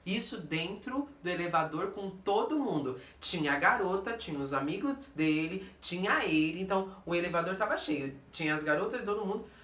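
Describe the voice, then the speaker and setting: Woman, Brazilian Portuguese accent, vlog storytelling, blunt, emphatic, forceful tone, echoey room. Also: lowish voice, expressive, moderate pace, hardly any pauses. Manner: emphatic, blunt, keeps addressing the audience. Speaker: vlogger. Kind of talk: storytelling to viewers. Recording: roomy echo, distant mic.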